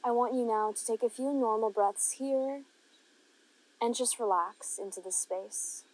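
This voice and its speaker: A woman narrating a guided meditation, giving gentle, unhurried instructions with long pauses between phrases. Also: fairly high pitch, low-quality recording.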